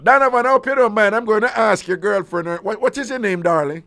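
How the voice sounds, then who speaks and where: A man's voice: high voice, quick pace, sharp tone. A man with a Jamaican accent hosting a live call-in radio show, teasing callers and repeating their answers back in a playful way. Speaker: radio talk show host.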